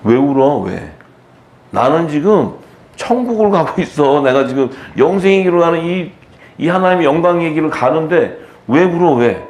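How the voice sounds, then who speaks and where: A man's voice: a little high, moderate pace, a little mellow, pitched above the performer's own voice, lightly acted. A male preacher voicing Jesus as a grown man rebuking weeping followers with scolding, insistent questions.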